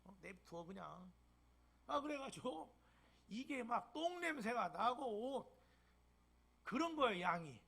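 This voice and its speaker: Older male pastor, Jeolla dialect, high and gravelly, emphatic sermon delivery with whispered asides. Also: big pitch swings, slow, pauses often. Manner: emphatic preaching with sudden loud bursts and soft whispered drops. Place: church sanctuary.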